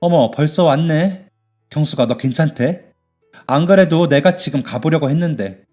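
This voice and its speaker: A man voicing a tough but caring middle-aged woman who runs a bathhouse, yelling at thugs and fussing over her young worker in a radio story. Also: fairly high pitch, normal speed, faint music behind, pitched above the performer's own voice, lightly acted. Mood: doting. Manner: shouting threats, then fussing warmly.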